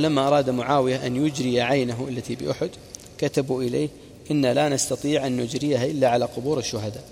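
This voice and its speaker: A man preacher delivers a religious history lesson at a brisk clip, recounting old reports and quoted sayings and stopping now and then for short explaining asides. His voice has a gravelly, creaky edge. The recording carries a long hall reverb and faint background noise. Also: mid-range voice. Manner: narrates reports and quoted speech with brief asides.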